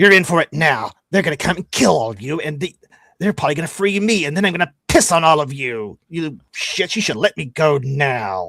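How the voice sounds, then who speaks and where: A man talks in a put-on character voice at a fairly high pitch. His pace is fairly quick. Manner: sassy, taunting.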